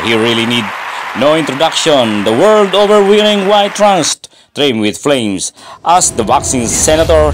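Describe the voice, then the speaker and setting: High-pitched man as boxing ring announcer. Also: background noise. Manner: theatrical, formal, drawn-out names.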